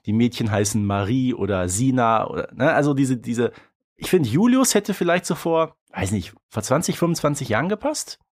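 A man's voice: mid-range voice, expressive, moderate pace. A man co-hosting a podcast, chatting in a colloquial, playfully opinionated way. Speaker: podcast co-host. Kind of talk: casual podcast chat.

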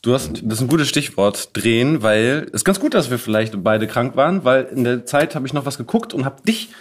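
A man's voice: mid-range voice, animated, brisk. A man with a German accent hosting a podcast conversation in an informal, colloquial way. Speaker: podcast host. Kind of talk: casual chat.

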